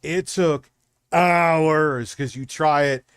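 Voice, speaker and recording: A man hosting a livestream rambles casually and conversationally, swearing a lot as he goes. His fairly high voice draws words out and has a fairly bright, clean tone, recorded at studio quality with no echo.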